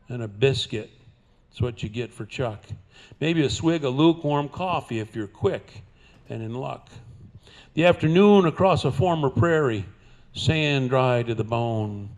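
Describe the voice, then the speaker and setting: Older male cowboy poet, mid-pitched folksy twang, unhurried dramatic delivery for live recital and banter. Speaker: cowboy poet performing at a senior center. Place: live before an audience at a senior center.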